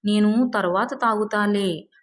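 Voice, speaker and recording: A woman voicing a selfless young male elephant in a children's story, gently insistent and caring. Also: medium pitch, measured pace, natural voice. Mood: caring, persuasive.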